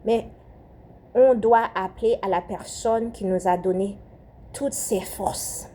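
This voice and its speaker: A woman's voice: medium pitch, takes it slowly, dark tone, slight background noise. A young Haitian-born woman with a French accent giving a fervent spoken prayer message, repeating phrases and often restarting her sentences. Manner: fervent, repetitive, with hesitations and restarts.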